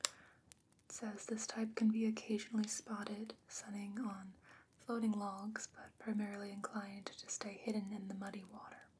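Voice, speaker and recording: A woman playing a patient, bookish sorceress in a fantasy ASMR roleplay, whispering breathily and explaining in a measured, gently skeptical way. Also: mid-range voice, a little hiss or hum, close to an everyday voice, rough recording.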